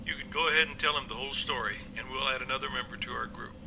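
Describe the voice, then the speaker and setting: A man's voice: medium pitch, steady tone, very fast, vocal fry, pushed and bright, slight background noise, rough recording. A man playing a plainspoken, confident police captain in an amateur audio drama, homespun and matter-of-fact.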